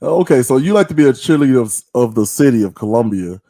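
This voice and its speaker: A man hosting a casual interview, asking teasing, animated questions. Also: mid-range voice, fast talker, no echo. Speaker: podcast host.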